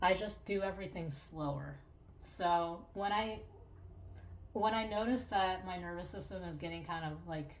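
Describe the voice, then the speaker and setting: Through audible room echo and noticeable background noise, a woman with a fairly low pitch speaks with ordinary pitch variation. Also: moderate pace. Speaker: vlogger sharing self-care tips. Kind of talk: casual talking-head video. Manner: halting, with repeated words and fillers.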